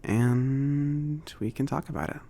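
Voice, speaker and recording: A man playing a friendly, slightly awkward mage shopkeeper in a soft-spoken, hesitant, casual ASMR roleplay. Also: mid-range voice, takes it slowly. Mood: accommodating, rambling. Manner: hesitant, rambling, accommodating. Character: friendly, slightly awkward male mage running a magic shop.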